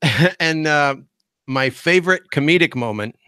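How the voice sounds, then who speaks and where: A man's voice: on the high side, animated, moderate pace, bright, forceful tone, clean tone, dry recording, clean studio sound. A man as guest host of a podcast, gushing with enthusiastic fan praise in casual chat.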